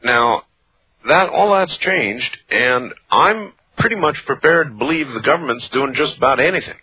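A man's voice: mid-range voice, animated, moderate pace, breathy edge. A man in his early fifties hosting a call-in radio show, talking earnestly with listeners. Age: 50s. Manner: earnest, conversational, asks short questions. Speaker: talk radio host. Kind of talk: late-night call-in talk radio. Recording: dry narrowband radio sound.

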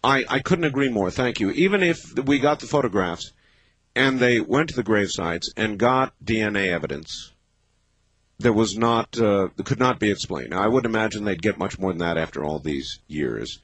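Husky, measured man hosting late-night radio. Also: lowish voice, expressive, fairly bright tone, no echo. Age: 50s. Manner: thoughtful, measured, with many pauses and fillers. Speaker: radio talk show host.

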